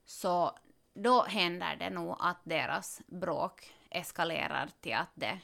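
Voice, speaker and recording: A woman, a parent expecting her fourth child, chatting casually and telling stories with quick, animated asides. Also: on the low side, gravelly. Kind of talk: casual podcast conversation.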